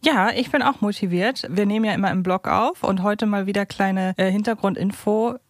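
A woman's voice: medium pitch, moderate pace, no room sound, clean studio sound. A woman co-hosting a podcast in a casual, talkative, frank conversational way. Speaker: podcast co-host.

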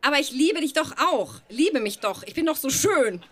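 A man's voice: very high-pitched, animated, moderate pace, pushed and bright, a little hiss or hum, voice pushed up, exaggerated voice. A woman reading from her childhood diary, quoting a vain schoolboy who keeps asking her to love him. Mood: wheedling.

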